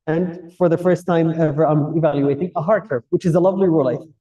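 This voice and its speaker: A man's voice: a little high, fairly even intonation, fast talker, warm tone. A man with a Kuwaiti Gulf Arabic accent, a native Arabic speaker, giving explanatory, semi-formal feedback as an evaluator at a speaking club. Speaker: general evaluator at a public speaking club meeting. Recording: distant mic, dull muffled sound.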